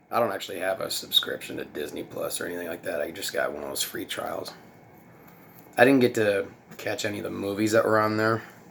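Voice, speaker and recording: A man speaks at a very fast pace with big swings in loudness over noticeable background noise. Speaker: TV show reviewer. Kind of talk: casual review talk to camera. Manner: casual, laid-back.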